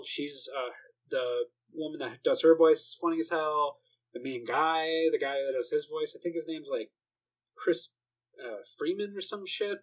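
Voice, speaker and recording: A young male anime fan rambles casually about anime in a mid-range voice, swearing often and filling gaps with "like" and "uh." The audio quality is poor.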